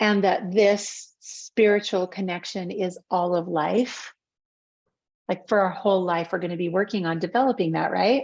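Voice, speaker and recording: A woman's ordinary speaking voice at a medium pitch, with fairly even intonation, a moderate pace and a quiet background. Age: 50s. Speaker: fitness and wellness expert. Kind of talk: casual chat.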